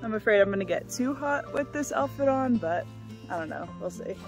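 A young woman in her twenties vlogging on a hike, filming herself at arm's length outdoors and chatting to her dog in a high sing-song voice. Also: animated, a little fast, soft background music. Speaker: hiking vlogger. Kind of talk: casual vlog with voice-over narration. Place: outdoors on a windy mountain trail. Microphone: camera held at arm's length.

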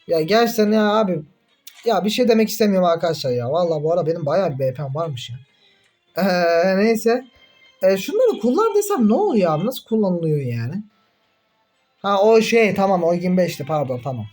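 A young man commentating his own mobile game in casual chat, excitable, groaning and cursing when things go wrong. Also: sits high, brisk, soft background music.

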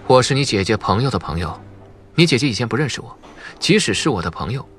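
A man voicing a calm, watchful adult man, matter-of-fact and cautionary, frank with children, in an audiobook story. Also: mid-range voice, fast talker. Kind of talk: audiobook character dialogue.

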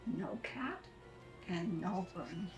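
An elderly woman reading aloud to young children as a preschool teacher, with simple, deliberate phrasing. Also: on the low side, animated. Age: 70s or older. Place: furnished sitting room indoors. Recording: echoey room, music behind.

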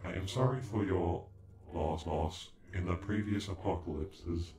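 Deep, glitching ancient android. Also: male voice, unhurried, noisy background. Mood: grave, explanatory. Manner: formal, clipped, stilted robotic phrasing with glitchy stutters. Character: male alien android, ancient, cold, sassy, condescending. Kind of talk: scripted ASMR sci-fi roleplay. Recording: echoing, with music behind.

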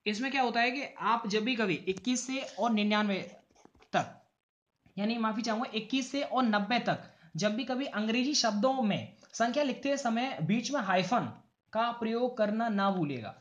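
A man's voice: sits high, moderate pace, a bit bright, muffled recording. A man teaching English in a casual explanatory lesson, often addressing viewers as "guys" and correcting himself as he goes.

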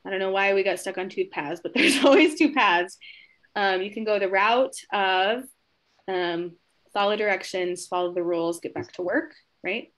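A woman giving a conversational training webinar to educators, encouraging and warm, often checking in with "right?" and acting out short exchanges with children. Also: medium pitch, moderate pace.

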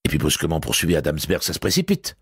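A man's voice: rumbling low, wildly swooping pitch, quick pace, slightly rough, no echo, studio quality, heavily acted. A man voicing a mild, musing male police commissioner in an audiobook.

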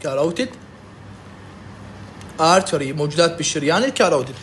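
A man with an Iraqi Arabic accent giving a recorded medical lecture, lively and jokey, often checking in with his students. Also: on the high side, slight background noise.

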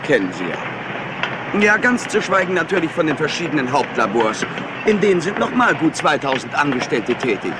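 An actor playing a brainy, cocky young chemist in a crime drama, smug, teasing and self-assured. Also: male voice, fairly high pitch, sing-song, normal speed, very noisy. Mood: mocking, assured. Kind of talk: German crime drama acting.

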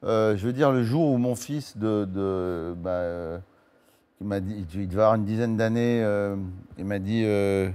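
A man in his forties with a fairly low voice, talking as a guest in a TV studio interview. He speaks casually and haltingly, restarting his phrases and briefly acting out what others said. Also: warm tone, smooth. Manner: halting, restarts phrases, acts out little quotes. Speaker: talk show guest.

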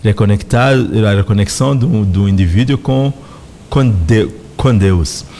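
A middle-aged man with a Congolese accent, representing a spiritual organization, answers interview questions as a guest in a radio studio. Speaking slowly and reflectively into a close studio mic, his fairly low, warm voice explains each point carefully, with a little hiss or hum audible.

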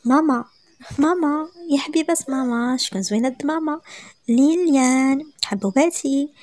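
A woman's voice: high voice, fast talker, warm tone, slightly rough. A woman voicing a young, fiery wife and mother in a story, with a Moroccan accent and emphatic, protesting delivery. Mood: doting. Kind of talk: storytelling with acted dialogue.

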